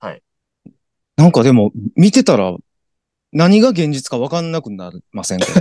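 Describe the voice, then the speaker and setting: A fairly high-pitched man with a dark, mellow tone, a fairly quick pace, very wide pitch swings, big swings in loudness, and long, frequent pauses. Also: dry, close sound with no echo. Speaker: comedian and podcast co-host. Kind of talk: casual chat. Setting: online call.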